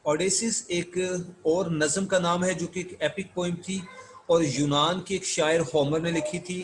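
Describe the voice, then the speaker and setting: A man giving an online literature lecture, explaining notes step by step and reading English passages out slowly. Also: on the high side, steady tone, slight background noise, poor audio. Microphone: screen-share recording.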